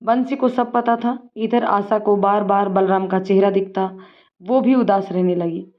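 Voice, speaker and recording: A woman narrates a story in a calm, steady voice. Her pitch sits in an ordinary middle range. The recording is muffled and lo-fi. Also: unhurried. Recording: dull lo-fi recording.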